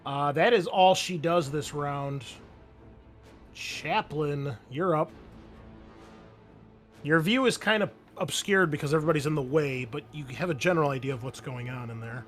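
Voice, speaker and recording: A man's voice: a little high, normal speed, fairly bright tone, faint music behind. A man narrating a tabletop roleplaying game as game master, improvising in a casual, profane way.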